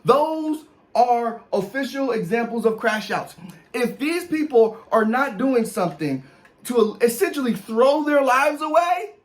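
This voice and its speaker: With an extremely high pitch, lively intonation and a slightly slow pace, a man in his thirties explains slang in African American English. He reads out a list emphatically in a comedic mock-official way, adding casual asides, inside a small room with posters.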